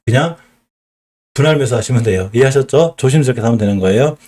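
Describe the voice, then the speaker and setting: A man's voice: medium pitch, expressive, fast talker, a little mellow. A middle-aged man with a Chungcheong accent, teaching stock charts on a live stream, explaining and asking and answering his own questions. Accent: Chungcheong Korean.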